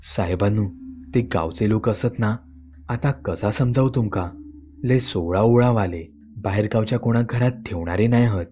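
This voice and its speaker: A helpless village peon with a Malvani accent apologetically explains he cannot help the city folk. His voice is low and mellow, read in by a man narrating a horror story. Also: moderate pace, close to an everyday voice. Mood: apologetic.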